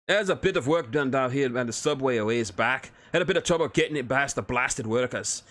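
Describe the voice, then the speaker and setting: A man voicing a gruff, bickering male dwarf with a rough, whiskey-soaked Irish-Scottish brogue. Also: medium pitch, a little fast, a bit bright, pitched above the performer's own voice, natural voice. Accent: Irish-Scottish put-on brogue. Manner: boisterous, bickering.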